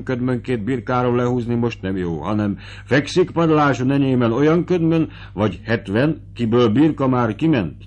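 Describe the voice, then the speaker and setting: A man's voice: mid-range voice, darkish tone, dull audio, pitched above the performer's own voice, lightly acted. A man voicing a fat, humble old estate steward who speaks in broken, ungrammatical phrases.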